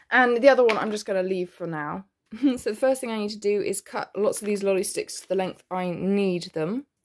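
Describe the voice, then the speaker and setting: Her loudness swings a lot as this woman talks at a fairly quick pace. Her pitch variation is ordinary. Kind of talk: tutorial. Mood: playful, mildly frustrated. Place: home room.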